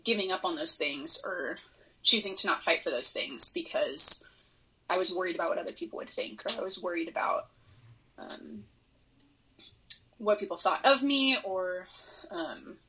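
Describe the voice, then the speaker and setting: A young adult woman, a returning podcast guest, who thinks aloud in a reflective, conversational way, with restarts and soft laughs. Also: on the low side, lively intonation, moderate pace, long pauses, low-quality recording.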